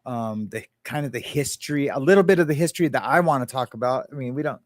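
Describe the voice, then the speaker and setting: A man's voice: medium pitch, fast, no echo, clean studio sound. A man co-hosting a casual livestream chat, rambling with frequent laughs, fillers and restarts. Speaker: livestream co-host.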